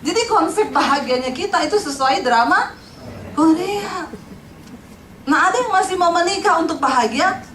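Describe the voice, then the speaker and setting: A middle-aged woman pastor from Sulawesi giving a humorous, lively sermon. She laughs often and teases the congregation. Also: very high voice, a little fast, background noise. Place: large church hall. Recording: echoey church hall from far off.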